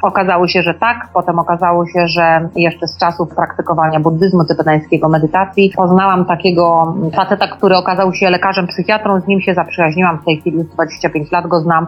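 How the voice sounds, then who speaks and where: A woman talks at a very fast pace with hardly any pauses, her fairly low pitch held in a monotone, flat intonation at very even loudness. Noticeable background noise is present. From Poland, Wrocław. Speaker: clairvoyant. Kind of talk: interview.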